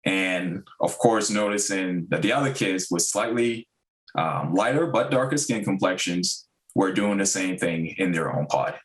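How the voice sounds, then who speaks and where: Earnest low-voiced man from Ghana. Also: lively intonation, rough recording. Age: 30s. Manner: earnest, measured, frequent um and uh fillers. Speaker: district diversity director. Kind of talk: prepared remarks at a public meeting.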